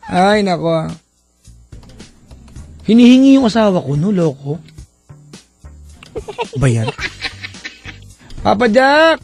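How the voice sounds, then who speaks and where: A man hosting a late-night radio call-in show, playful and teasing, talking in an animated way. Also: high-pitched, slow pace, creaky, pauses often, faint music behind.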